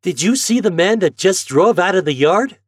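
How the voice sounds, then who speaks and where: A man's voice: sits high, animated, moderate pace, breathy edge, dry recording, clean studio sound, pitched above the performer's own voice. A man voicing an eager, jolly farm boy in a storybook, speaking in rustic old-time country dialect. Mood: excited, proud. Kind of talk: storybook character voice.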